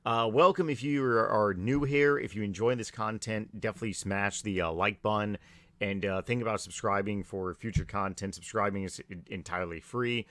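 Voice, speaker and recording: A man who is raspy from allergies, giving a low-key, filler-heavy stock market vlog. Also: moderate pace, a bit bright, no room sound. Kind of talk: casual market commentary.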